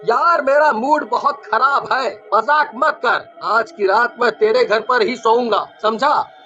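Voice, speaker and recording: Cartoon husband, male, very high and slow, whiny glutton; muffled lo-fi recording; voiced by a man. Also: pushed and bright, soft background music, full character voice. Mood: sulky. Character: hungry, grumpy village husband. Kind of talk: cartoon voice acting.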